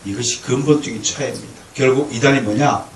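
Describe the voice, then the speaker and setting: A male pastor preaching a lively lecture-sermon to a congregation, with humor and call-and-response. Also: medium pitch, fast talker. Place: church sanctuary. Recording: echoey hall, distant mic, faint noise.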